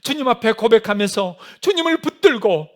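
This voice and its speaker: High, lively-voiced male pastor preaching. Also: fairly quick. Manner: questions the congregation, call-and-response; switches to acting out God's words as direct speech. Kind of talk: sermon.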